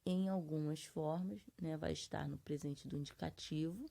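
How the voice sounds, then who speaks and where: A woman's voice: sits low, steady tone, normal speed, vocal fry, mellow. A Brazilian woman teaching a grammar lesson, explaining patiently and drawing out example words syllable by syllable. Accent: Brazilian Portuguese. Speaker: Portuguese teacher. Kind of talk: classroom lesson.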